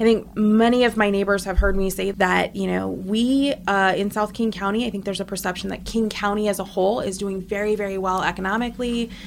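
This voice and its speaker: With an American accent, a woman speaks at medium pitch in a monotone, flat way. She moves at a fairly quick pace with hardly any pauses. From Eastern Washington, US. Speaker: state legislator. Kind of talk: interview.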